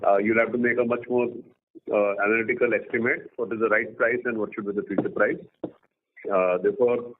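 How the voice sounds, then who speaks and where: A man's voice: lowish voice, steady tone, brisk. Indian-accented male executive on noisy phone line. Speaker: company executive answering analysts. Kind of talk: earnings call question-and-answer. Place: conference call line.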